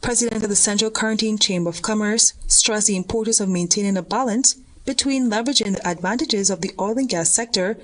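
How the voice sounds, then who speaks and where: A female news reporter from Guyana, reading a voice-over report in a measured, formal way. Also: mid-range voice.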